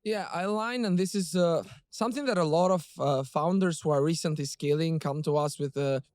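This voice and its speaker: Podcast host guy, kinda high voice, long winding questions, dead dry room. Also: fairly quick, a little mellow, no room sound. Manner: long rambling questions, agreeable. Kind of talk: interview questions.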